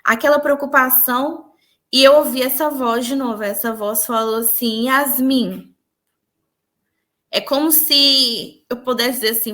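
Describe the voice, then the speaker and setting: High-voiced woman telling a personal testimony. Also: a bit bright. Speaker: interviewee recounting a spiritual experience.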